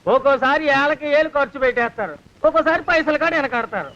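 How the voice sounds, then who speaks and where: A cheeky village servant in an old film, slyly needling his master. His voice is very high and quick, and the soundtrack is dull and lo-fi. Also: sharp tone, exaggerated voice. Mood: teasing. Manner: sly, mocking.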